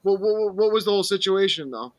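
A man hosting a casual paranormal podcast, asking animated questions and repeating himself. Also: sits high, a little fast, over a noisy crowd.

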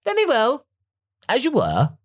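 A smug alien tyrant gloats in a high, pompous voice that swoops up and down, as a man puts him on. He stretches his words out theatrically, slightly husky, in a fan storybook reading. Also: wildly swooping pitch, measured pace, exaggerated voice. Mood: gloating.

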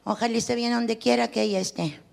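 A woman's voice: on the high side, steady tone, quick pace, creaky, a little mellow. A middle-aged woman from northern Mexico with a northern Mexican accent, doing a brash, salty stand-up monologue and acting out scolding mothers. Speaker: stand-up comedian.

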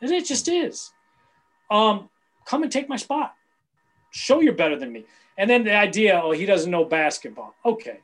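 A man's voice: high voice, sing-song, normal speed, long pauses, a bit bright. A man in his fifties, a guest on a sports talk show, talking bluntly and boastfully in heated casual chat. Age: 50s.

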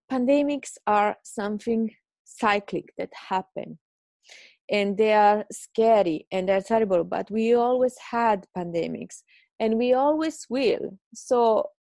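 Brief: Italian woman podcaster, gravelly low-toned voice, chatty and encouraging, dry close sound. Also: darkish tone, no room sound. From Italy. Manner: chatty, self-mocking, encouraging. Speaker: podcast host. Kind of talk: casual advice monologue. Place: home.

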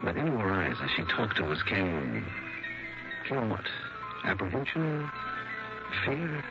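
A man's voice: low voice, very animated, unhurried, heavily acted. An actor playing a dry, wisecracking male insurance investigator who also narrates, in a 1960s radio drama. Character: wry, easygoing male freelance insurance investigator. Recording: dull old radio broadcast with music.

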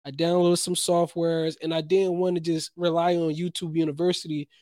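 A young man from New Jersey co-hosting a casual podcast, talking in a lively, rambling, slangy way about his week and his writing. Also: on the high side, moderate pace, no echo, clean studio sound. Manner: animated, rambling storyteller, slangy. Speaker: podcast co-host, playwright. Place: Los Angeles.

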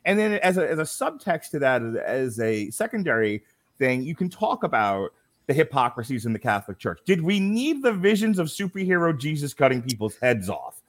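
Animated male podcast movie reviewer. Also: mid-range voice, a little fast. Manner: animated, emphatic, acts out quoted voices. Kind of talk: casual movie review chat.

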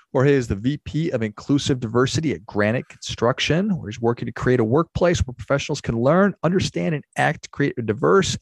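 A man's voice: mid-range voice, vocal fry, dry recording. A man hosting an interview show, upbeat and encouraging toward his guest. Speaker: podcast host.

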